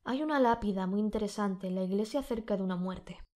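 Brief: a woman playing an older village fisherman, smooth, coaxing, a little sinister. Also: medium pitch, a little fast, darkish tone, natural voice. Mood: persuasive. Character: sly older male village fisherman, honeyed and persuasive.

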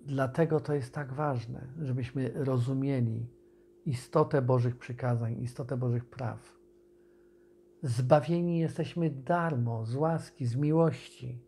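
A man preaching an informal video sermon, speaking conversationally with pauses and restarts and reading scripture aloud. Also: medium pitch, steady tone, vocal fry, warm tone, slightly rough.

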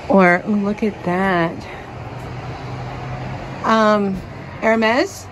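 A woman's voice: mid-range voice, steady tone, extremely slow, noisy background. A woman vlogging as she sorts vintage jewelry in an antique store, thinking aloud and chatting as she goes. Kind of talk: casual thrifting narration. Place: inside a cluttered antique store.

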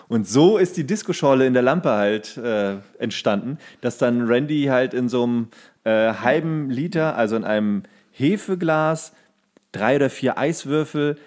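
A man's voice: mid-range voice, lively intonation, moderate pace, darkish tone. A man co-hosting a podcast, telling anecdotes in a casual, blunt, slangy way. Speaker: podcast co-host. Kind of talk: casual chat, bar anecdotes.

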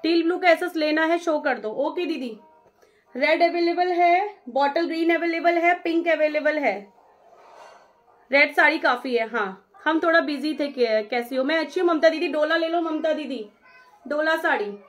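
Chatty high-voiced woman selling sarees live. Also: soft background music. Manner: chatty, brisk, reads out viewer names and takes bookings; mixes English phrases into Hindi. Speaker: saree seller on live stream. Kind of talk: live-stream sales chat.

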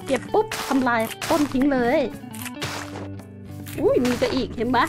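A woman's voice: sits high, sing-song, normal speed, over music. A young woman hosting a survival game video, chatting to viewers and exclaiming as she explores. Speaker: game host. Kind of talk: casual Let's Play commentary.

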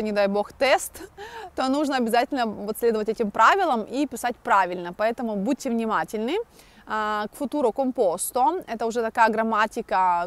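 A young woman giving an outdoor grammar lesson at night, speaking into an earphone mic and explaining patiently with frequent hesitation fillers and Italian example phrases. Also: on the high side. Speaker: Italian language teacher. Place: outdoors at night in front of a large lit monument. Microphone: wired earphone mic.

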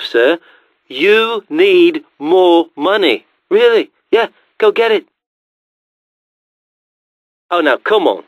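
Pushy, flippant cartoon merchant creature: animated pitch, dry and slightly dull sound. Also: male voice, no room sound. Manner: glib, flippant. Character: cheeky, pushy odd-creature salesman in a cartoon game. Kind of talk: animated sales-pitch character acting.

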